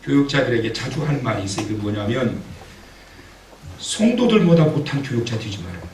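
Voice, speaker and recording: A man preaching a sermon as pastor, telling a story with acted-out quotes and building to loud exhortation, recorded in a church. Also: medium pitch, big pitch swings, fairly quick, slight background noise. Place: church sanctuary. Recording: echoey church hall, mic at a distance.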